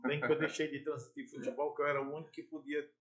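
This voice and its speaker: A middle-aged man with a playful, animated way of telling stories about his years in radio and TV. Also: fairly high pitch, rapid-fire. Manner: playful, animated storyteller with jumps in loudness. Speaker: former sports broadcaster and TV presenter. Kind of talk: casual storytelling interview.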